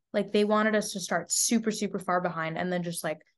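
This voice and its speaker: Against a quiet background, a plain, everyday voice speaks at a fairly quick pace with fairly even intonation. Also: woman. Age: 20s. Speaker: actress. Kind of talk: interview. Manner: casual, filler-heavy. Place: home room. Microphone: video call.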